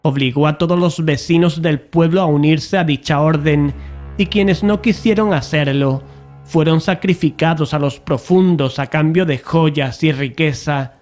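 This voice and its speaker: A man's voice: a little high, unhurried, darkish tone, faint music behind, lightly acted. A man playing an investigator who chronicles sinister events, narrating an audio drama in a solemn, formal way. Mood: ominous.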